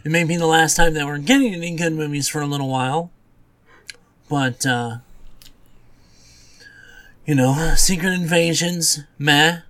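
A man's voice: on the high side, fairly even intonation, a little slow, long pauses, fairly bright tone. A man co-hosting a podcast, chatting casually and informally. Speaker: podcast co-host. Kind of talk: casual chat about movies and video games.

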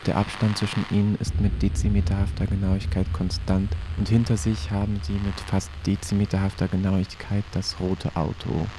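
A man playing a detached, solemn radio play narrator, speaking in measured, deliberate short phrases. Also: low voice, flat delivery, over music, poor audio. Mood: detached, calm. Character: detached, solemn male narrator of a tunnel journey. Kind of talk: slow, scripted literary radio play narration.

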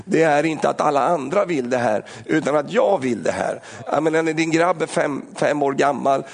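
A man preaching an animated sermon, acting out little scenes and asides. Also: mid-range voice, gravelly, slightly rough. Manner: animated, acts out voices and asides. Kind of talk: lively sermon.

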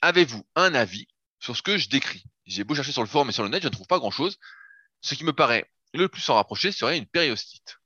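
A man's voice: mid-range voice, expressive, fast talker, pushed and bright, slightly rough, dry recording. A man who works as a fitness coach, talking casually and explaining his method step by step, with the odd swear word. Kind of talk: casual podcast chat. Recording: dull lo-fi sound.

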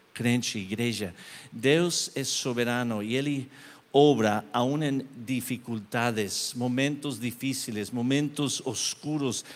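A man preaches at an unhurried pace, his voice at a middle pitch. He tells his story with passion, dropping to a hush and then rising loud again. His voice rings out with the long reverb of a large hall. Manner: impassioned, swinging from hushed to loud. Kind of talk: sermon with storytelling.

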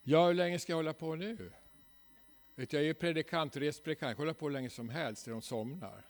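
A Swedish man preaching a church seminar in a folksy, ironic way, often tagging his sentences with a questioning "va?". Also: fairly high pitch. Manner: folksy, ironic, frequent tag "va?". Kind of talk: seminar sermon. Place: church hall.

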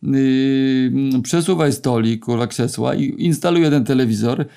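A man spins loose, rambling real-life anecdotes in a gravelly, dark, mellow voice. He swears nonstop and stumbles through fillers and half-started words, like a storyteller talking off the cuff. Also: medium pitch, measured pace. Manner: rambling, swears constantly, many fillers and restarts. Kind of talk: casual spoken anecdotes.

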